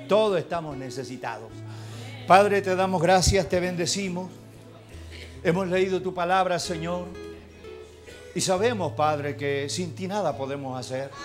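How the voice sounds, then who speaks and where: A man with a Chilean accent preaching a church sermon, folksy and chatty with the congregation, then swelling into a fervent prayer. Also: fairly high pitch. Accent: Chilean Spanish. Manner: folksy, addresses congregation as brother. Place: church hall.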